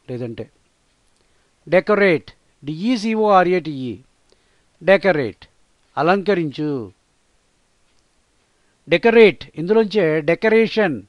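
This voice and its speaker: Slow, deliberate Telugu-accented male teacher. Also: fairly high pitch, dry recording. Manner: spells words letter by letter and repeats them slowly. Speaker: English teacher. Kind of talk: slow vocabulary lesson, spelling and repeating words.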